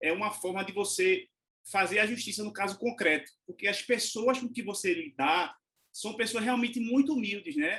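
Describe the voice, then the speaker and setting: Bright and sharp in tone, a man projects a raised voice in a Pernambuco accent. He keeps a moderate pace. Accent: Pernambuco accent, noticeable. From Recife, Pernambuco, Brazil. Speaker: court officer, course participant. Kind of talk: self-introduction in online class.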